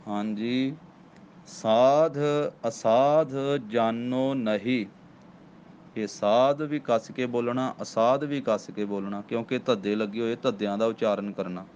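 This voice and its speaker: A man with a Punjabi accent teaches scripture recitation line by line, patiently correcting pronunciation word by word and demonstrating each phrase in a slow chant. His voice is lowish and darkish, with fairly even intonation. The lo-fi recording sounds dull, with faint ambience and a little hiss or hum.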